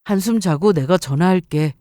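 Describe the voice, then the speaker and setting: A woman voicing a considerate, practical young fiancé in a story, gentle and matter-of-fact. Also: lowish voice, moderate pace, no echo, studio quality, natural voice. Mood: apologetic.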